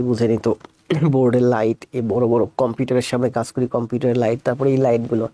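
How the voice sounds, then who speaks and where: A man with a cold, speaking slowly and softly as he greets viewers before his live math class. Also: medium pitch, no room sound. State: has a cold. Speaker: math teacher.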